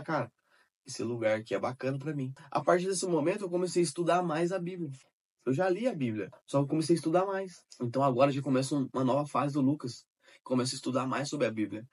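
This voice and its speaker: A man's voice: fairly high pitch, darkish tone, breathy edge. A man talking straight to his viewer in casual, informal advice, repeating points and checking that the listener has understood. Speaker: digital marketing creator. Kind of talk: casual direct-to-camera advice.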